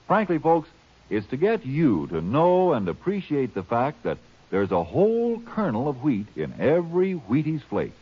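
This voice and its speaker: A man's voice: medium pitch, huge pitch swings, normal speed, slightly rough. A man delivering chatty, emphatic sales talk as a 1950s radio announcer. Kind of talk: folksy 1950s radio advertising. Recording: muffled 1950s radio recording.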